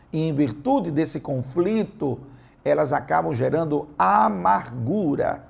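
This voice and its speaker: A man's voice: a little high, a little mellow. A man preaching a sermon in church, mixing teaching with playful personal stories. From Brazil. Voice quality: gravelly, husky. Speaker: pastor.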